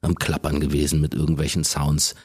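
Man with an extremely deep bass voice. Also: little pitch movement, brisk, darkish tone, husky. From Germany. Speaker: interview guest, voice actor. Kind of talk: casual interview storytelling.

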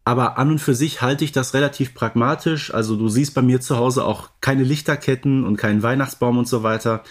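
Male co-host, average-pitched voice, measured and casual conversational delivery. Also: fairly even intonation. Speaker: podcast co-host. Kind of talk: casual chat.

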